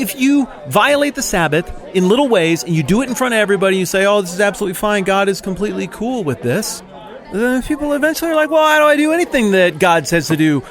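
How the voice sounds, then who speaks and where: A man's voice: high voice, pitched above the performer's own voice. A man playing a self-righteous Pharisee who rants defensively and sarcastically about being wronged. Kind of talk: comic monologue in character.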